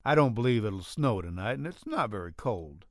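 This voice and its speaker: A man's voice: lowish voice, sing-song, moderate pace, dry recording, studio quality. A man voicing a plain-spoken, tender young cowboy ranch hand in an audiobook. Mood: easygoing. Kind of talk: audiobook character dialogue.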